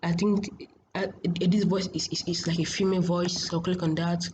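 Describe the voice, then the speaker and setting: A woman giving a casual software tutorial in a hesitant, repetitive, halting way, as a host. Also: fairly low pitch, level tone. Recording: muffled, noisy home screen recording.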